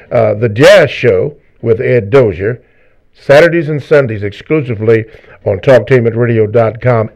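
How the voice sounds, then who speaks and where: A man co-hosting a live talk radio show, reading promos and introducing callers in measured announcer phrasing. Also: mid-range voice, darkish tone. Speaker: radio co-host. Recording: slightly dull lo-fi radio audio.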